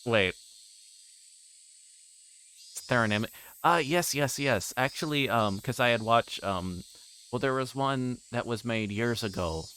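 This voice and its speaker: A man hosting a livestream, chatting casually in a halting, rambling way and often repeating words as he plays a game. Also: medium pitch, fairly bright tone, slight background noise, poor audio. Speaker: livestream host. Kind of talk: casual livestream chat while playing a visual novel.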